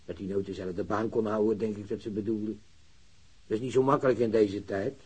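A man's voice: lowish voice, steady tone, brisk, a little mellow, husky, poor audio. A man acting a worried, aggrieved working-class grandfather in a radio drama, plain-spoken and grumbling. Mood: resigned, plaintive. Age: older.

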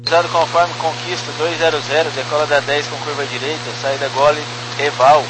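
A Brazilian man speaking as an airline pilot, reading back clearances in clipped phrases over aviation radio. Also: fairly high pitch, flat delivery, brisk. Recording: noisy cockpit radio with engine hum.

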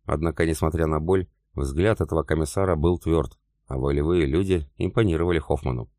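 A man narrating a war novel as an audiobook in an even, steady reading. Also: extremely low pitch, fairly quick, dry recording, clean studio sound.

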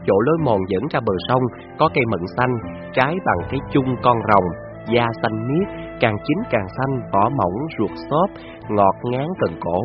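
A man, narrating a scripted story in a measured, descriptive way. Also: medium pitch, lo-fi sound.

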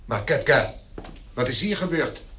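Radio play casting: stern old father, forceful, highish, swinging wildly in pitch, blustering. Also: lively intonation, a little slow, a little hiss or hum. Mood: accusing. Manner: blustering, accusatory. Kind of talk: Dutch radio play acting.

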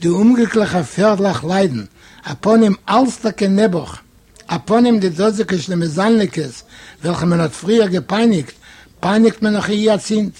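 A man's voice: high voice, lively intonation, unhurried, a little mellow, slightly rough. A man whose first language is Yiddish, reading a literary story aloud expressively and voicing its quoted dialogue. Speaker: reader.

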